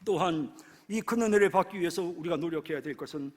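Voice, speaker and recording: A man's voice: fairly high pitch, fast talker, big-room sound. A male pastor delivering an expository sermon with fervent preaching, acting out quoted prayers in his own voice.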